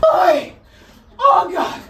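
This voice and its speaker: A high-voiced Jamaican mother, played by a woman, sobbing and pleading in drawn-out patois, her cries repeating over and over. She speaks slowly, and the voice sounds somewhat distant from the mic, as in a homemade web drama. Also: sing-song, a bit bright, faint music behind, heavily acted. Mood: frantic wailing. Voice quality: wailing, sobbing patois with broken laughter. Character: grieving Jamaican mother, remorseful, overwrought. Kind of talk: amateur web drama acting.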